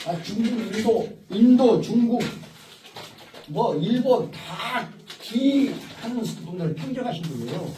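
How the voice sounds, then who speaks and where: A man's voice: high-pitched, noisy background. A man giving an informal, rambling lecture to a small group, often interrupted by the audience. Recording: echoey room, far from the mic.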